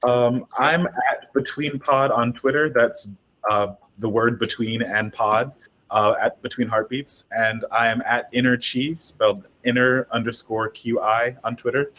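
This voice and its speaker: A man speaking casually and a little ramblingly as a panelist in an online discussion, with a husky voice. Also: mid-range voice, fairly even intonation, unhurried, a bit bright, rough recording. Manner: rambling, self-interrupting. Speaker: panelist, fiction podcaster.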